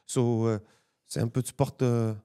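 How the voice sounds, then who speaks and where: Mellow-voiced co-host. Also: male voice, medium pitch, flat delivery, clean tone. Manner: halting, repeats words, mixes in English. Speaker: podcast co-host. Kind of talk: casual interview questions.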